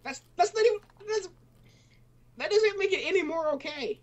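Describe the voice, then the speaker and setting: Young, exasperated heckler with animated pitch. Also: normal speed, dull audio. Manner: argumentative, exasperated interjections. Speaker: listener heckling a story reading. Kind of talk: casual banter while gaming.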